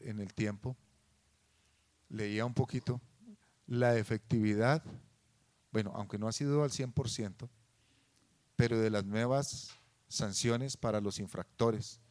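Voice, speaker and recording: A man preaching a sermon in a church, moving from quiet conversational talk to loud, fervent passages. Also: fairly low pitch, fairly even intonation, measured pace, long pauses.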